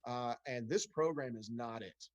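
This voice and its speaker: A man's voice: medium pitch, unhurried. A middle-aged man, a political candidate, answering town hall questions earnestly over a video call, with frequent restarts and fillers. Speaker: congressional candidate.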